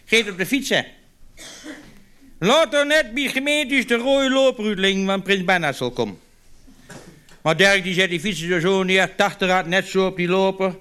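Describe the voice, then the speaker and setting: A man's voice: sits high, moderate pace, bright, forceful tone, clear, resonant tone. A man doing stand-up comedy. He tells long joke stories in a chatty way, trips over repeated little words at the start, and slips into voices for the people in the stories. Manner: switches into character voices for quoted dialogue.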